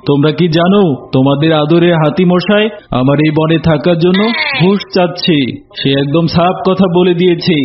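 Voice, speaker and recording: Sly villainous cartoon tiger, acted by a man, raised pitch. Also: lightly acted. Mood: indignant. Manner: gloating, theatrical, with villainous cackles. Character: sly, villainous male tiger, boastful schemer and watchman. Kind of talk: Bengali animated fable voice acting. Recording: dull lo-fi audio with music.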